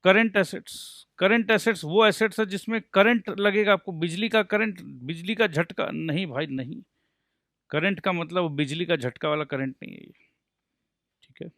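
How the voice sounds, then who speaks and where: A man's voice: sits high, moderate pace, vocal fry, a bit bright, no echo, studio quality. A man teaching accountancy in a lecture, talking in a playful way, joking to explain points and answering his own questions as if he were a student. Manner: playful, mixes Hindi and English, jokes to explain. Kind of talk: recorded lecture.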